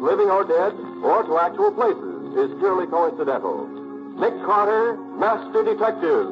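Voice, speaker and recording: A man reading a script as a formal, emphatic 1940s radio announcer. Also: on the high side. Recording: dull 1940s radio recording.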